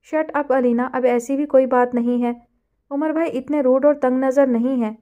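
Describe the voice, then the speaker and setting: A woman's voice: sits high, steady tone, mellow, lightly acted. Woman reading as an earnest young heroine.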